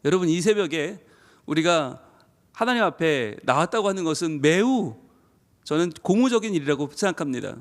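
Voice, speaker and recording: Male pastor, dawn sermon, high voice, very animated pitch, rhetorical questions, drawn-out emphasis. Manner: preaches in rhetorical questions, drawing out key words. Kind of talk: sermon at a dawn revival service.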